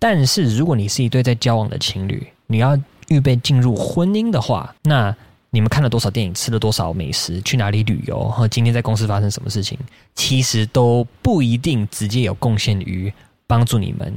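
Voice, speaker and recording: Somewhat breathy, a man talks at a moderate pace with medium pitch and ordinary pitch variation. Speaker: pastor and YouTuber. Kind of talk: casual interview.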